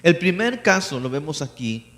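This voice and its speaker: Male pastor, fairly high voice, preaching in a hall with long reverb and mains hum. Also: moderate pace. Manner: animated preaching, acting out voices of biblical characters. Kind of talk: sermon. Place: church hall.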